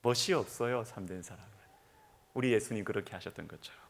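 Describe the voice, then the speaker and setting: A man's voice: quick pace, vocal fry, slight background noise. A middle-aged man preaching a Sunday sermon, telling a personal story with rising and falling emphasis. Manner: storytelling with lively swings in pitch and loudness. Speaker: pastor. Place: church sanctuary.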